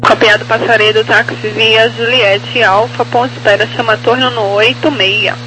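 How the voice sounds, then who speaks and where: Over a slightly noisy radio, a Brazilian male air traffic controller speaks in a very high, bright voice. He gives clearances in clipped, procedural phrases. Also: little pitch movement, moderate pace. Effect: aviation radio. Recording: faintly noisy radio transmission with hum.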